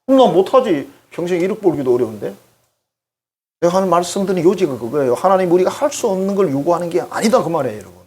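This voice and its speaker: A man's voice: sits high, very fast, husky. A male pastor preaching a conversational sermon, talking straight to the congregation and acting out voices. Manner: animated, addresses congregation directly, acts out quoted voices.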